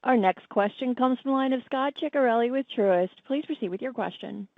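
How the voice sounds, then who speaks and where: A woman's voice: on the high side, fairly quick, dry recording. A woman working as a conference call operator, reading scripted announcements to introduce questioners. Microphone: telephone line. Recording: dry, narrow phone-line audio.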